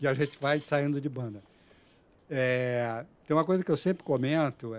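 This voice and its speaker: A man with an unremarkable speaking voice, fairly high pitch, ordinary pitch variation and a moderate pace. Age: 60s. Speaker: advertising executive. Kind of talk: casual chat.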